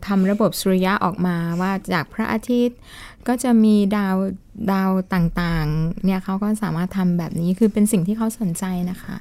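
Soft-spoken mother with mellow voice. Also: medium pitch, moderate pace, few pauses, no echo. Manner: soft-spoken, polite, with frequent hesitations. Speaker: homeschooling mother, guest. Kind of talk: casual interview talk.

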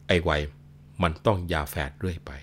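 Man playing enraged old warrior, shouting, crude, storytelling voice. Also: normal speed, lightly acted. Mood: reassuring. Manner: shouting curses, crude pronouns. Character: vengeful aging male warrior, furious father.

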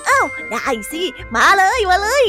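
A woman voicing an excitable, teasing village boy in a children's audio story, talking in a rustic, familiar way with quick exclamations. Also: natural voice. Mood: chatty. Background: background music.

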